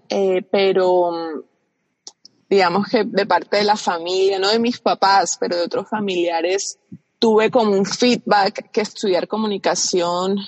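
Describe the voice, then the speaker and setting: A woman's voice: mid-range voice, no echo, in a large hall. Colombian coastal woman, dry close voice. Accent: Colombian Caribbean coast. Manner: reflective, frequent fillers and restarts. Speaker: guest. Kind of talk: casual interview conversation.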